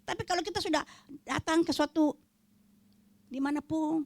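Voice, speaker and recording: An older woman giving a spoken Christian testimony, animated and acting out the voices she quotes, sometimes dropping to a whisper. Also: high voice, normal speed. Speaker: testimony speaker at prayer fellowship.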